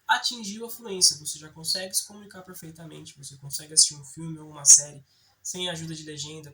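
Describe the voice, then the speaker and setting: Brazilian guy, bright voice, chatty english tips video, keeps going "tá bom?" at the viewer. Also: a little high, slight background noise. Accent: Brazilian Portuguese. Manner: chatty, often checks in with the viewer. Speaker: English teaching YouTuber. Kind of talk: casual explainer video.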